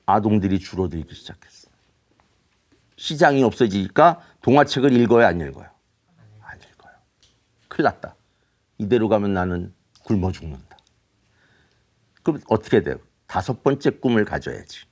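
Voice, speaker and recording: A middle-aged man speaking as an author to young students, telling a story in an animated way and asking rhetorical questions. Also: lowish voice, moderate pace, pauses often. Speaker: children's author giving a talk. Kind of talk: motivational lecture to students.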